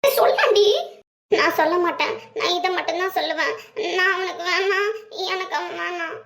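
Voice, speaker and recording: A woman's voice: extremely high pitch, brisk, crowd noise. A woman playing a sulky, stubborn young office worker who talks in a playful, giggling way in a romance skit. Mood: teasing. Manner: playful, sing-song, giggling. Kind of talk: Tamil comedy romance skit. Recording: echoey room.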